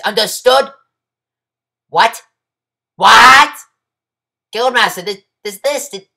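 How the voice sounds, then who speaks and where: A man's voice: high voice, sharp tone, heavily acted. A man voicing a bossy, fussy bird who is second-in-command of a guild, in a stern, clipped, scolding manner. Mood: flustered. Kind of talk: character voice audition.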